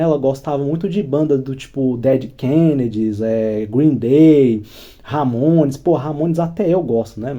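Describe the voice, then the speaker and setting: A man's voice: a little high, warm tone. A Brazilian man telling a crude, rambling personal story in casual slang as the host of his channel. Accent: Brazilian Portuguese.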